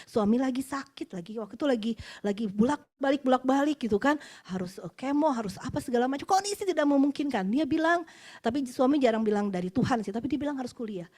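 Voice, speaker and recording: A woman in her forties from West Java, giving a personal testimony sermon at an office worship meeting in a chatty, expressive way, dropping English phrases and laughing between points. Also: high voice. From West Java, Indonesia. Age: 40s.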